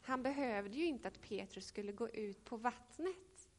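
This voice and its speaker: A woman in her thirties giving a reflective sermon and reading scripture, pausing often with hesitations. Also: a little high, expressive, darkish tone. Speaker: preacher.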